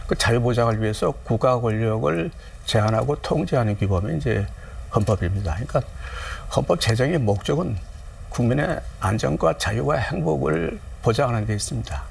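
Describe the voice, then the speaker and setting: A man's fairly low voice at a moderate pace, very wide pitch swings and long, frequent pauses, over noticeable background noise. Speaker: law professor. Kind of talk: studio discussion.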